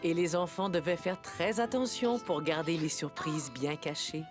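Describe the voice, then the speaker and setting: A woman playing a gentle storyteller, narrating a scripted children's cartoon. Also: low-pitched, steady tone, normal speed, close to an everyday voice. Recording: music behind the voice.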